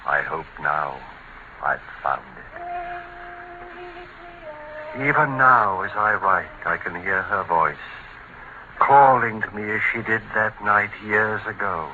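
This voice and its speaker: An actor playing a tormented older man narrating his crime in a 1940s radio drama, slow and brooding. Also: lowish voice, animated, bright, forceful tone, heavily acted. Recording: noisy muffled 1940s radio broadcast.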